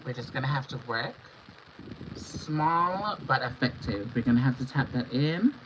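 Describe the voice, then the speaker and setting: A woman from Antigua and Barbuda, hoarse from a cold, talking viewers through a makeup look on a livestream. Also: a bass voice, expressive, unhurried. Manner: chatty, instructional, greets viewers by name. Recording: dull lo-fi stream audio with clear background noise.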